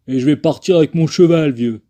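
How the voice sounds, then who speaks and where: Man doing a bossy cowboy, muffled mellow voice. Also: on the high side, brisk, lightly acted. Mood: bossy, petulant. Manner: petulant, bickering orders. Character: bossy, contrary male cowboy gunslinger in a parody western. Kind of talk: film dub parody.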